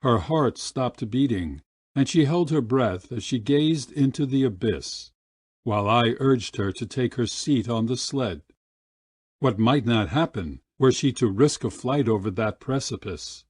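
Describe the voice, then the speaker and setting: A man narrating an audiobook short story in a measured, deliberate storytelling manner. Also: medium pitch, expressive, darkish tone, slightly rough, no echo, clean studio sound.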